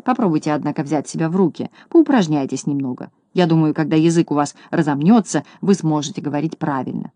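A reader voicing a smooth-talking male swindler who speaks with mock politeness, in a dry audiobook recording. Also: mid-range voice, fast talker, hardly any pauses, warm tone, no room sound, natural voice. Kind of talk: audiobook narration.

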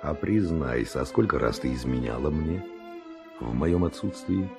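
An actor playing a bold, passionate Spanish nobleman and seducer in a verse radio drama, declaiming ardently in a gravelly, husky voice. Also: rumbling low, animated, normal speed, music in the background. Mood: jealous, scheming.

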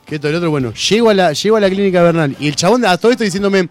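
A man's voice: sits high, very fast, faint music behind. A young man with an Argentine Rioplatense accent, a radio host telling a funny story in a casual, laughing way full of slang. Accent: Argentine Rioplatense Spanish. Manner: animated, laughing, heavy slang. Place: radio studio.

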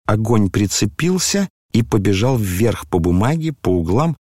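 A man narrating a classic novel as an audiobook in a steady, measured storytelling manner. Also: on the low side, breathy edge, no room sound, clean studio sound.

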